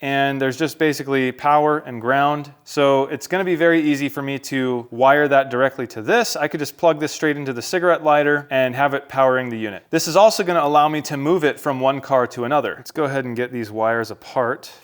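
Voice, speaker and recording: A man's voice: mid-range voice, brisk, hardly any pauses, clear, resonant tone. An American man talking casually to viewers as a vlogger, in an unboxing and how-to style. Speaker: vlogger reviewing a product.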